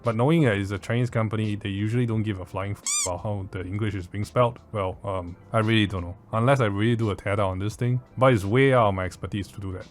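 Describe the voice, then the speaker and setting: A man's voice: fairly low pitch, steady tone, fast, hardly any pauses, faint music behind. A man with a Southeast Asian accent giving a casual product review in a blunt, informal, mildly sweary way. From Southeast Asia. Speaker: audio gear reviewer.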